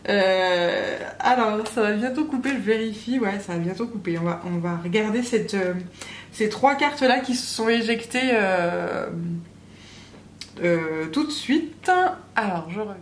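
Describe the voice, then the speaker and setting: A woman's voice: mid-range voice, measured pace. A woman giving a channeled tarot reading to the viewer in a casual, hesitant way, with many fillers and restarts. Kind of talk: casual spoken guidance to the viewer. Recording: echoey room with faint background hum.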